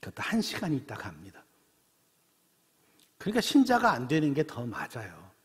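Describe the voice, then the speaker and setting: A man's voice: mid-range voice, wildly swooping pitch, normal speed, husky. A male pastor preaching a sermon in a church, telling stories in a conversational way. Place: church sanctuary. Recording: church hall reverb.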